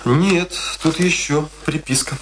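A man's voice: a little high, slow pace, slight background noise, rough recording. An actor playing a restrained, dutiful man in a radio play, speaking in a dry, matter-of-fact way. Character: dutiful, restrained male relative of the captain.

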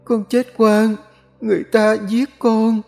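A man's voice: high-pitched, flat delivery, slow, creaky, a little mellow, faint music behind, voice pushed up, full character voice. A man voicing the ghost of a wronged young woman, wailing and pleading in a storybook tale.

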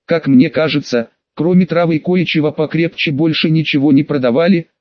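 Male audiobook narrator, calm and measured, slightly high voice, dull lo-fi sound. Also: no echo. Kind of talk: first-person audiobook narration. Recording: dull, dry lo-fi recording.

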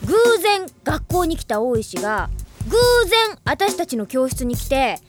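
Brash, animated schoolgirl club leader. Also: high-pitched, music in the background. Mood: suspicious, exasperated. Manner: mock-pompous, tomboyish, quick to retort. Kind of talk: anime audio drama acting.

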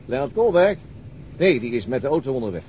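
A man's voice: mid-range voice, big pitch swings, a little fast, darkish tone, natural voice. Male actor as laconic city homicide detective, weary, understated, noncommittal; dull radio play recording with faint noise. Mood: dry, noncommittal. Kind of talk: naturalistic Dutch radio drama acting. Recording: muffled, noisy radio drama recording.

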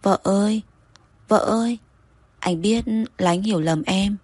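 A woman reading the lines of a young husband who coaxes and pleads softly with his wife, in a husky voice. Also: mid-range voice, a little slow, dry recording, lightly acted. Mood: pleading. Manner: soft wheedling pleading.

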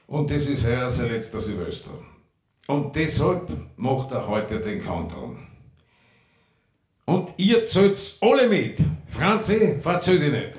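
A man's voice: mid-range voice, very animated, slow, a little mellow, breathy edge, no room sound, heavily acted. An actor playing an ageing, defiant gay activist who tells of his grief with a Viennese accent, in a radio drama. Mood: festive, announcing. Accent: Viennese Austrian. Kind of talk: radio drama monologue and dialogue. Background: music.

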